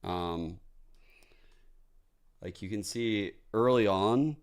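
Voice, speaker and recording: A man's voice: lowish voice, drawn-out words, clean tone. A man co-streaming an esports match with casual, blunt, slangy and sweary commentary.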